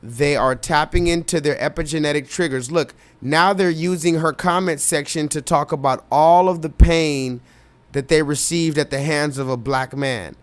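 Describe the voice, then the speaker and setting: A man's voice: a little high, steady tone, normal speed, smooth, dry recording. A man hosting a live reaction stream, reading viewer comments aloud and pressing his chat with urgent, repetitive remarks. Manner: urgent, insistent, repeats himself, addresses chat directly.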